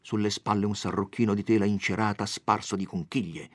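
A man giving a dramatic reading of a classic novel, expressive and animated. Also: brisk, dry recording, clean studio sound. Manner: expressive, raises pitch for quoted characters. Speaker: audiobook reader.

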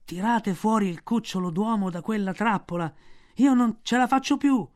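A man's voice: sits high, moderate pace, pitched above the performer's own voice, close to an everyday voice. A man voicing a proud female panther who speaks curtly and dryly. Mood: exhausted. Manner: curt and dry.

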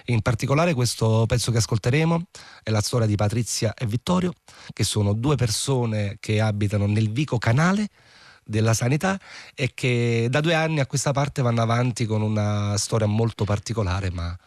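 A man, an actor, gives a relaxed, conversational introduction to a scene in a radio studio. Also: medium pitch, moderate pace, no echo. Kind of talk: spoken introduction.

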